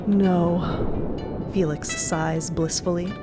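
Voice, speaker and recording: A woman's voice: on the low side, flat delivery, very slow. A woman reading scripted narration for a fiction podcast. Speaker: narrator and performer. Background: music.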